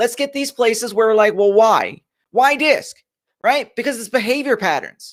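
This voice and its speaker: A man talks at a fairly quick pace in an energetic tone. His pitch varies in an ordinary way. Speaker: leadership and sales coach. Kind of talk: live stream talk. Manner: fast.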